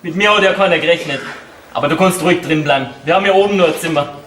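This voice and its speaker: A man's voice: a little high, very fast, a bit bright, far from the mic, lightly acted. Man playing chivalrous young Bavarian grandson, earnest, folk comedy, echoey stage, faint noise. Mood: apologetic, earnest. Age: young adult. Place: theatre stage before an audience.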